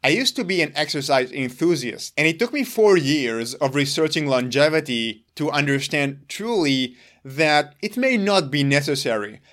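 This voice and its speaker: A man whose first language is Hebrew talks straight to the camera about his own routine. His voice sits a little higher than most men's. He is earnest and deliberate, leaning on key words for emphasis. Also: expressive, a bit bright. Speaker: longevity vlogger. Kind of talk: explaining personal routine to camera.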